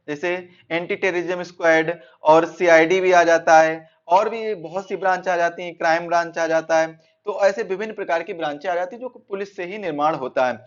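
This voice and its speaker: A dull, lo-fi recording of a man teaching in a high-pitched voice. He explains like an online exam coach, restating each point in slightly different words. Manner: repeats and rephrases points. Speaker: exam-prep instructor. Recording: dull, lo-fi band-limited audio.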